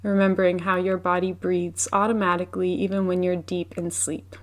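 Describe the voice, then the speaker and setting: A woman leading a guided meditation as a teacher, speaking in a gentle, unhurried, soothing way. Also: on the low side, flat delivery.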